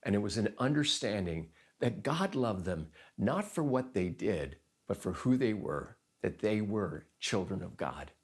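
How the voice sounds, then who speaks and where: A man hosting a Christian talk show, interviewing guests and reflecting pastorally on faith, quoting scripture at a slow, measured pace. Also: on the low side, very animated, breathy edge.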